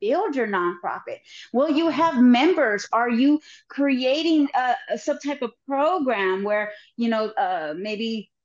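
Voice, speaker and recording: Over a quiet background, the voice moves at a very slow pace with very wide pitch swings. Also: woman, high pitch for a woman. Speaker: interview guest. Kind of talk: interview answer. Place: office. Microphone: video call.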